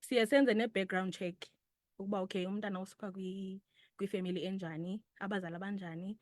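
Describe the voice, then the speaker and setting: A woman's voice: medium pitch, fairly even intonation, fast talker, no room sound. A woman with a South African Xhosa accent answering conversationally in a radio interview, mixing two languages as she explains. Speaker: interviewed foundation representative.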